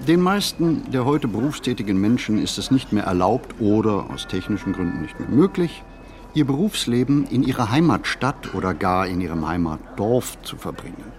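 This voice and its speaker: A man playing a pensive city wanderer in a radio play, narrating a literary monologue with deliberate, measured phrasing and pauses. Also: on the low side, big pitch swings, faint music behind. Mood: reflective. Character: pensive male city wanderer musing on modern life. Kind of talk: scripted literary monologue, reflective first-person narration.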